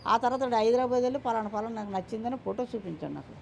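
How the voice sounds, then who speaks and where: A man's voice: very high-pitched, lively intonation, very fast, creaky, a little mellow, muffled recording, a little hiss or hum. An older man answering interview questions about his son, speaking emphatically and often repeating himself or quoting what others said. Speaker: interviewee, the father of a man in the news.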